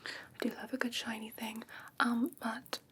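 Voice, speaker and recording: A woman playing a curious, haughty fae creature in an ASMR fantasy roleplay, whispering softly in a hesitant, musing, gently condescending way. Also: fairly high pitch, little pitch movement, moderate pace, heavily acted. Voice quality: soft breathy whisper.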